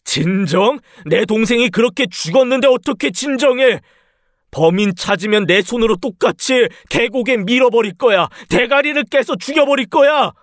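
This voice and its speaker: A grief-crazed husband bent on revenge in a story radio drama, raging and threatening. His voice sits notably high for a man, and the recording is close and dry with no room sound. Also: lively intonation, normal speed, no room sound. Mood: furious.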